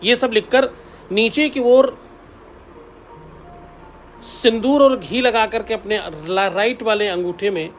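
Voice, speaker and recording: A man's voice: high voice, slow, long pauses, soft background music. A man, a spiritual teacher, giving devotional advice in an instructive way, repeating the key steps and intoning mantras.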